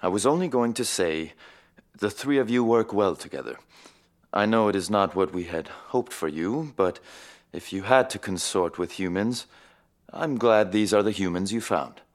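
An actor playing a formal, kindly alien elder and diplomat in a sci-fi audio drama, speaking in a measured way. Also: male voice, lowish voice, natural voice. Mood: gently approving. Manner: measured, formal, uncontracted speech.

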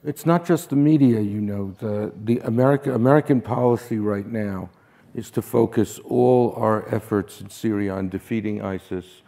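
A man interviewing a guest, speaking in a measured, direct way. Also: fairly low pitch, dark tone. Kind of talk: conversational interview.

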